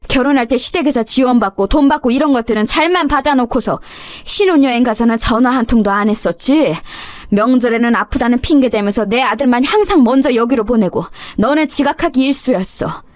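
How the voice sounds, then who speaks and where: A woman's voice: on the high side, a little fast, dry recording, close to an everyday voice. A woman playing a stern scolding mother-in-law. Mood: indignant. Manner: indignant lecturing. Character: older stepmother-in-law, stern, scolding, wounded pride.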